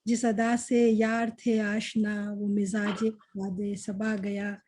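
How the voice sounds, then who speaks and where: A woman reciting poetry at a literary gathering, measured and repeating her couplets. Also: on the high side, a little mellow. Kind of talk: slow Urdu poetry recitation.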